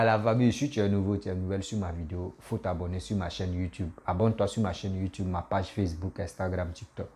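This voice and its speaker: Male comedian-vlogger, deep warm voice, animated and repetitive. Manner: animated, repetitive, laughs at himself. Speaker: comedian and YouTuber. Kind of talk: casual political commentary vlog.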